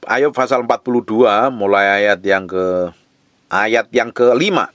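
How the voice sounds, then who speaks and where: A man's voice: lowish voice, a little slow, a bit bright, no echo. A man preaching a sermon as pastor, blunt and scolding with emphatic delivery.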